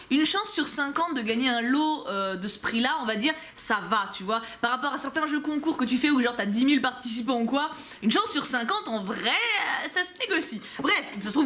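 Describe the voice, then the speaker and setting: A young woman with a French accent chats casually with her viewers while unboxing a subscription box, giggling and tossing in quick asides. Her voice sits high and sounds expressive and a little bright.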